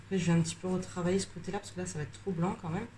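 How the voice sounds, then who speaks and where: A woman with a lowish voice talks casually at her desk as she colors. She sounds tired and a little stuffed up. Her talk rambles, full of hesitations and pauses. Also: steady tone, warm tone, a little hiss or hum. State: tired and slightly congested. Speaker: coloring vlogger. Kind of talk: casual chat while coloring on camera.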